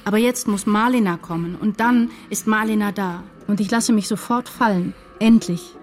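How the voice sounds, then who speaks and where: An actress playing an anxious woman writer in love, speaking her intense inner thoughts and confessions in a measured literary radio drama. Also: mid-range voice, darkish tone, soft background music, lightly acted. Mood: anxious, desperate. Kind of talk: literary radio drama, first-person inner monologue and dialogue.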